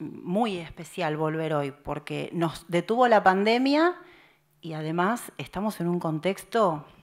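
A woman speaks in a normal speaking voice, fairly low in pitch and at a fairly slow pace. The background is quiet. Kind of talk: panel talk. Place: hall. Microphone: handheld.

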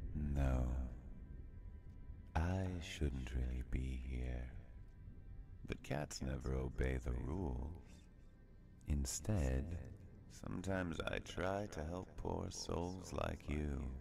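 A man puts on a character voice, speaking at a very slow pace over clear background noise. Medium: dub.

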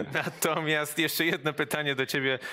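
A man speaks at a fairly quick pace with a Polish accent. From Poland. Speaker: sports show host. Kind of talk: casual chat. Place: studio. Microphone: lapel.

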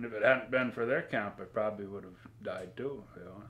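Bright and sharp in tone, a man with an American accent talks at a fairly quick pace with ordinary pitch variation. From Michigan. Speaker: hunting camp member; interviewee. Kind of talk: documentary interview. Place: kitchen.

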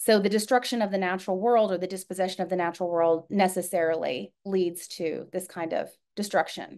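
A woman with an American accent at a fairly quick pace, fairly even intonation and hardly any pauses, over a quiet background. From Oklahoma, rural. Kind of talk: seminar presentation. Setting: video call webinar. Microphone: webcam.

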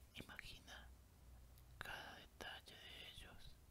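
A man's whispering in a calm tone. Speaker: ASMR creator. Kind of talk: guided relaxation meditation for sleep. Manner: soft-spoken, slow, calm. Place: home room. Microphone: studio mic.

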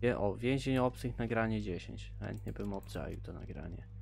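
A man speaks in an animated tone at a moderate pace. Faint music plays in the background. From Poland. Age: 20s. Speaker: gaming youtuber. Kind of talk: let's play commentary. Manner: casual, animated. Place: home room. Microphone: headset.

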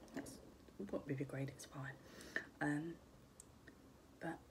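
Whispering in a gentle tone, a woman speaks at a moderate pace. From UK. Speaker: ASMR eating vlogger. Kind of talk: ASMR casual talk to camera while eating. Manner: soft-spoken, whispery, gentle. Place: home room. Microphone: phone near.

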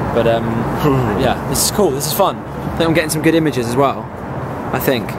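Loud background noise surrounds a man whose words come out very fast. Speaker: vlogger. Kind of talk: casual vlog talk to camera. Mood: excited, slightly nervous. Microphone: phone near.

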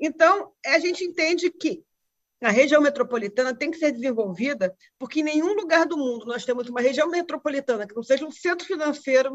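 A woman's high voice with lively intonation and a fairly quick pace, over a quiet background. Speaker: tech entrepreneur and academic. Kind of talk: short speech in a meeting. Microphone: video call.

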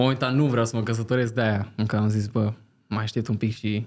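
At a fairly quick pace, a man speaks at medium pitch. His intonation is monotone and flat. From Romania, Bihor (village near Oradea). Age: 20s. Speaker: content creator. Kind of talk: casual chat.

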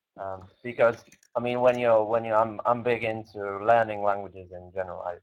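A man with a non-native accent, fairly low pitch, fairly even intonation and a fairly quick pace, against a quiet background. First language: not English. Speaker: webinar host. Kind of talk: webinar hosting. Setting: online live webinar. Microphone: video call.

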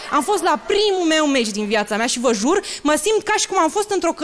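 A woman talks at a fairly quick pace with a high pitch. Her pitch swings very widely. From Romania, Banat; Romania. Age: 20s. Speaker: stand-up comedian. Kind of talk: stand-up. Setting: stage with audience. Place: stage. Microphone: handheld.

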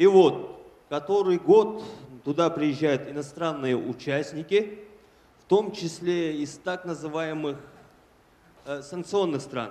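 A man speaks very slowly with long, frequent pauses. His fairly high voice has ordinary pitch variation. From Yakutia, Russia. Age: young. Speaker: forum participant. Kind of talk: audience question. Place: tent. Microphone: handheld.

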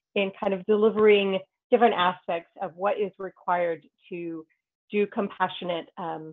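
The woman here talks at a moderate pace. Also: quiet background. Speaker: presenter. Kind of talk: conference presentation. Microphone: video call.

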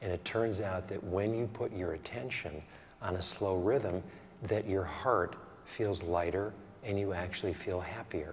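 Slow-paced and somewhat breathy, a man with an American accent talks at a very deep, low pitch with fairly even intonation over light background noise. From United States. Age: 60s. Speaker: craniosacral therapy teacher. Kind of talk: interview. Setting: hotel room. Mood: calm, warm. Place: home room.

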